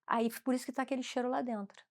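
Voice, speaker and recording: A Brazilian woman with a slightly high voice tells a story in an animated way. She acts out each person's lines and shifts her tone for each one, the way a former school principal recalls her students. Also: rapid-fire. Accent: Brazilian Portuguese. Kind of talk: lively storytelling in conversation.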